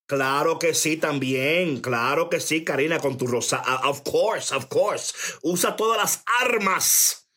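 Emphatic preacher man, fairly high voice. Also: slow, bright, forceful tone. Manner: emphatic, repeats phrases, calls for attention; reads chat comments aloud. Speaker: preacher on a live stream. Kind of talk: sermon-style testimony.

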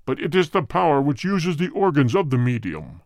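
A male audiobook reader voicing a cold, hard, deep spirit that speaks through a medium in slow, grave sentences. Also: big pitch swings, dry recording, clean studio sound. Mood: solemn. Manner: slow, grave, measured pronouncements. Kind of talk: audiobook reading.

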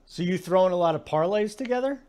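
A man's voice: sits high, expressive, quick pace, a little mellow. A man hosting a sports betting radio show, talking in an emphatic, casual way and often asking "okay?".

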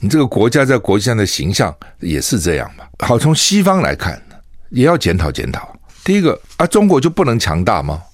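An older man from Taiwan hosts a radio talk show and speaks fast, with a fairly low voice that swings up and down a lot. He fires off scolding rhetorical questions one after another. The studio sound is dry and close. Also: huge pitch swings, dry recording. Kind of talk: opinionated radio commentary. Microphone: studio microphone.

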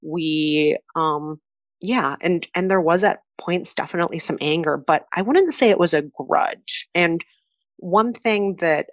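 A woman in her thirties from Minnesota with a Minnesota accent, answering interview questions in a chatty, animated way with frequent fillers and laughter. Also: on the low side, unhurried, no echo. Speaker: podcast host, interviewee. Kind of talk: conversational interview.

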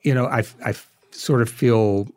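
A man's voice: mid-range voice, fairly even intonation, a little slow, a little mellow, no echo. A man speaking as an interview guest, reasoning thoughtfully and hesitantly in a conversational way. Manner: hesitant, reflective, hedging as he reasons.

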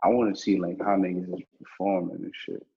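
A man's voice: low-pitched, little pitch movement, brisk, vocal fry, over a noisy crowd. A man in his twenties from New York, chatting casually in a loose, slangy, profane way. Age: 20s. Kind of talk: casual interview chat. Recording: muffled lo-fi sound.

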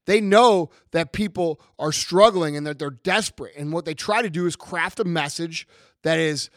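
A hoarse man with a raspy, fairly high voice rants bluntly on his podcast and swears freely. The sound is dry and close. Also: moderate pace, a bit bright, dry recording. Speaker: podcast host. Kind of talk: profane motivational rant.

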